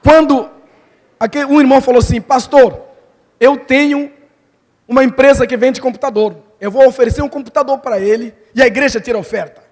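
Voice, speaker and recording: A missionary preacher telling a personal story in a sermon, acting out the voices of the people in it. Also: male voice, very high-pitched, brisk. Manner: animated storytelling, acts out quoted voices. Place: large church hall. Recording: long hall reverb from the church.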